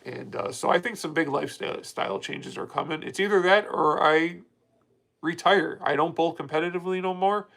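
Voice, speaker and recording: A man's voice: a little high, brisk, vocal fry, fairly bright tone. A man in his late thirties hosting a casual livestream, talking candidly and rambling with frequent restarts as he answers viewer comments. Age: 30s. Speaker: livestream host.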